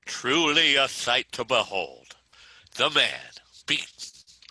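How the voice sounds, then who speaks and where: Man putting on a bright, pompous sportscaster. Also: medium pitch, sing-song, slow, vocal fry, dry recording, heavily acted, low-quality recording. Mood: pompous, mock-solemn. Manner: pompous, theatrical sportscaster delivery. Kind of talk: comic table read, mock sports commentary.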